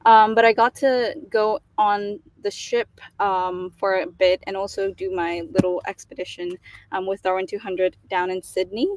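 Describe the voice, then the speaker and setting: A woman's voice: medium pitch, little pitch movement, moderate pace, dry recording, poor audio. A young woman from Indonesia, a science student, eagerly introducing herself and her conservation project. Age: young adult. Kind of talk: guest introduction on a live call.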